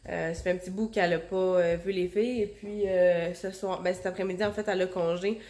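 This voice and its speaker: A woman in her thirties with a Québécois French accent talks through her day in a relaxed vlog. Her voice sits a little low, and she keeps pausing with fillers and restarting her sentences. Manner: hesitant, many fillers and restarts. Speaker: vlogger, stay-at-home mom and entrepreneur. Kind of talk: casual vlog chat.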